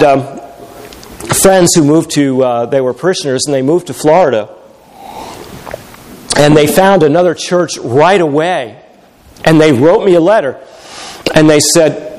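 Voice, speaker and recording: Middle-aged man, pastor; high-pitched, sermon delivery, wry anecdotal humor. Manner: animated storytelling with wry humor.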